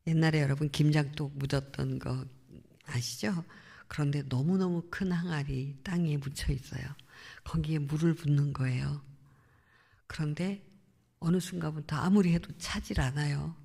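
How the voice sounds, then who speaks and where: A woman's voice: low-pitched, normal speed, gravelly, slightly rough. A middle-aged woman missionary giving an earnest, reflective personal testimony at a church prayer meeting. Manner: earnest, reflective storytelling with soft trailing phrases. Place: church sanctuary. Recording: long church hall reverb.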